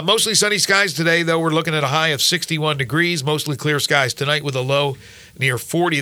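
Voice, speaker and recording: A man's voice: fairly high pitch, pushed and bright, no echo. A man hosting a sports radio morning show, chatty and upbeat, sounding a little stuffy from a cold. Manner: upbeat and chatty, reads ads and weather. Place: radio studio.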